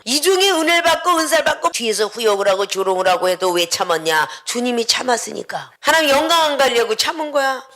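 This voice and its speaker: A woman pastor giving a dramatic sermon, often shouting and acting out voices. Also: on the high side, animated, fast, few pauses. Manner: dramatic, acts out quoted voices, frequent shouting.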